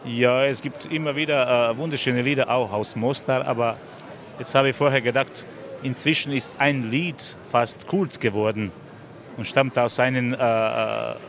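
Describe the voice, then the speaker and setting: A man's voice: mid-range voice, steady tone, normal speed, fairly bright tone. A middle-aged man from Bosnia and Herzegovina, a musician, speaking friendly and searching for words at an outdoor festival. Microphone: handheld mic. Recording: crowd noise behind.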